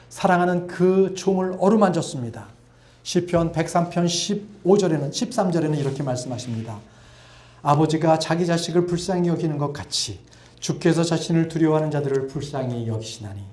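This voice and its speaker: A middle-aged male pastor preaching an earnest sermon, sometimes softly voicing God's gentle words. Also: fairly high pitch. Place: church sanctuary. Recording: echoey church hall.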